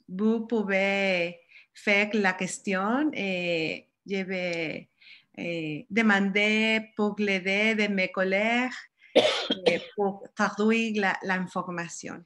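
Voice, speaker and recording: Slow, careful Mexican woman. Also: medium pitch, fairly bright tone. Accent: Mexican Spanish. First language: Spanish. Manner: careful, halting, searching for words. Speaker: guest speaker, doctoral researcher. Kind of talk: academic presentation. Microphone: online video call.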